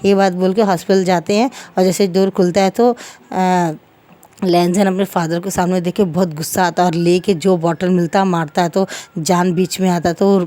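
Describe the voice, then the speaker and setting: A woman's voice: on the low side, fairly even intonation, moderate pace, dark tone. A woman casually narrating her own fan fiction story, chatty and full of fillers, dropping into quoted dialogue.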